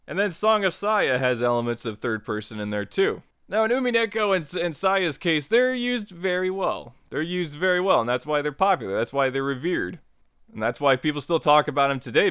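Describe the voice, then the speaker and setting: A man's voice: medium pitch, fairly bright tone, smooth, dry recording, clean studio sound. A man hosting a casual video lesson, chatty and enthusiastic, often restarting phrases and saying "you know". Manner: chatty, repeats words, lots of "you know". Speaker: online tutorial host.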